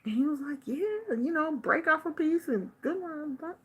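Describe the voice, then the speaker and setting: A middle-aged woman from the United States telling a casual story in a chatty, expressive way, acting out the people she quotes. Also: sits high, normal speed. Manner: chatty, expressive, animated quoting of others. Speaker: vlogger. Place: Bay Area.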